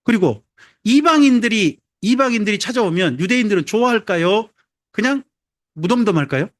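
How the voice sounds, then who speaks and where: A man's voice: high-pitched, expressive, brisk, dry recording, studio quality. A man, a pastor preaching a sermon in a conversational, humorous way and putting questions to the congregation. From Jeolla, South Korea.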